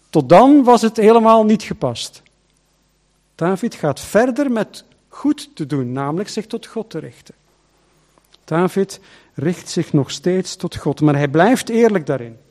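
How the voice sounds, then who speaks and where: Pastor guy, high voice, preaching, pushes hard then goes quiet, lots of questions to the crowd. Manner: emphatic, rhetorical questions, swings between loud and hushed. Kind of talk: sermon.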